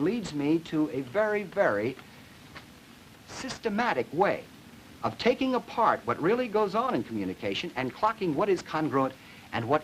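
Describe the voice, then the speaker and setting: A man giving an explanatory educational lecture in an emphatic, deliberate, didactic way, as a linguistics lecturer. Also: fairly high pitch. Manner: emphatic, deliberate, didactic, stressing key words. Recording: noisy 1950s educational film soundtrack.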